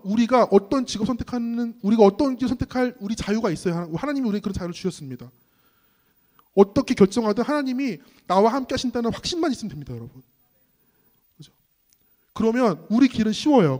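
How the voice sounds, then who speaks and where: A man delivering a sermon-style lecture in a high-pitched voice. He spins a parable and turns to address the audience directly. A long hall reverb trails every phrase. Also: expressive, quick pace, darkish tone. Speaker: ministry staff speaker.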